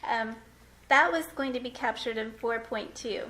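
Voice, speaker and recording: A soft-spoken woman, fairly high-pitched and at a moderate pace, with audible room echo and noticeable background noise. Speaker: planning consultant. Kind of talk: presentation in board meeting. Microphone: too quiet on microphone.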